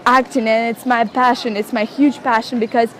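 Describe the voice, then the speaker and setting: A young adult woman from Russia, a model and blogger, speaks English with a Russian accent in a casual interview outdoors on a city street. Her voice is on the high side and her speed normal. She's emotional and animated, using fillers and restarting her sentences.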